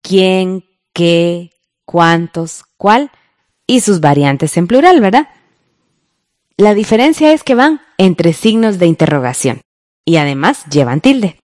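A woman's voice: on the low side, expressive, takes it slowly, darkish tone, no room sound, studio quality. A woman co-hosting a radio grammar lesson, guiding listeners through exercises in a friendly way. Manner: friendly, guiding, asks the listener to follow along. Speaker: radio teacher, co-host.

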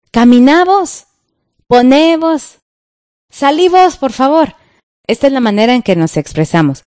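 A woman with a Guatemalan Spanish accent explains verb conjugations from a textbook, speaking slowly and carefully. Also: mid-range voice, dark tone, no room sound, studio quality. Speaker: teacher. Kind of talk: textbook grammar lesson.

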